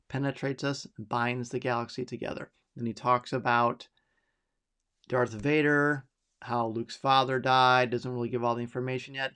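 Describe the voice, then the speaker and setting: A man's voice: mid-range voice, a bit bright. A middle-aged man hosting a live podcast, chatty and enthusiastic as he reads out listener picks and reacts to them. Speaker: podcast host.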